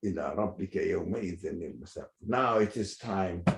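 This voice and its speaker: A man explaining a religious text in an animated way, chuckling often and pausing to search for words. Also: low-pitched, vocal fry, roomy sound. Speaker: religious teacher.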